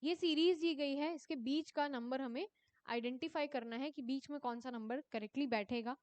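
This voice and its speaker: A young woman teacher going through an exam paper, reading each question slowly and then explaining quickly in Hindi mixed with English, calling her students children. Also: high-pitched, darkish tone, no room sound. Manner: addresses students as children, ends answers with a falling tone.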